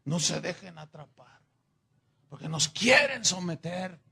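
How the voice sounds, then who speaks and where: A man's voice: high-pitched, expressive, a little slow, gravelly, husky, full character voice. Man voicing Pancho, a defiant wild stallion. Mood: warning. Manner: shouting urgent orders. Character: wild stallion, rebel leader of the herd, defiant.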